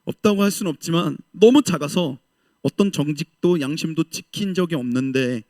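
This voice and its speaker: A fervent young male pastor with a high, bright voice preaches to a young adults' service. He surges into loud calls and then drops to quiet asides, acting out quoted voices as he goes. The sound is close and dry. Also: normal speed, dry recording. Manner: passionate, swings from loud exhortation to soft asides; voices the doubters and God's reply in lively quoted speech.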